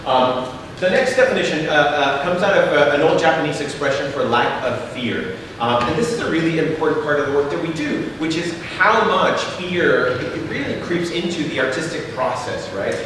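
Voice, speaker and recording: A man's voice: on the high side, lively intonation, normal speed. Man, native Spanish speaker from Mexico, talk with slides, lots of "uh", distant, long reverb. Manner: many filler sounds, frequent rhetorical "right?". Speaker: theater company artistic director giving a talk. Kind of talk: presentation with slides. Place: large echoing hall. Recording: echoey hall, voice from far off, faint noise.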